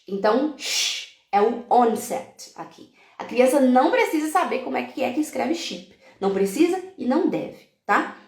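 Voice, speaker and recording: A woman's voice: sits high, very animated, normal speed, vocal fry. Brazilian teacher woman, chatty step-by-step explainer, echoey room. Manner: chatty, explains step by step with English example words. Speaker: English teacher. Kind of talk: live-stream teaching talk.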